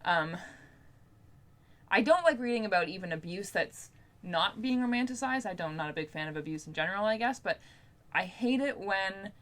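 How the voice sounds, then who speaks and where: A woman's voice: mid-range voice, lively intonation, moderate pace. A young woman chatting casually to camera as a book vlogger, in an informal, rambling, playfully self-deprecating way. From Canada.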